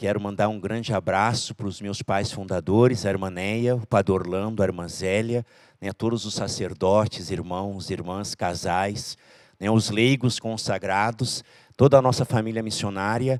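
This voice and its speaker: At a fairly slow pace, a man speaks with a fairly low pitch and fairly even intonation. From southern Brazil, Porto Alegre. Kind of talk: interview.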